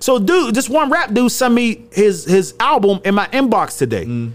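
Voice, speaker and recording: Background noise is easy to hear throughout. Over it, a man speaks at a middling speed. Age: 40s. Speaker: filmmaker and music video director. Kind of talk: casual chat.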